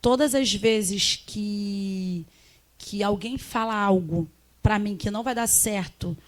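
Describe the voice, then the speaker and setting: A woman giving an emphatic, animated testimony as a guest on a Christian talk show. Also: mid-range voice, slow pace. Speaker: guest, missionary.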